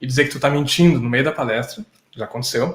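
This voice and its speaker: A man's voice sits fairly high. It varies in pitch in an ordinary way. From Brazil. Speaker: tech solutions architect and conference speaker. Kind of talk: interview. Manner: halting.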